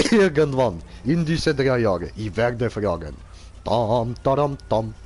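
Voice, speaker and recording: A man's voice: mid-range voice, animated, slow pace, darkish tone, a little hiss or hum. A man giving casual live gaming commentary in clownish, slangy broken grammar, as a streamer. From Switzerland. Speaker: game streamer.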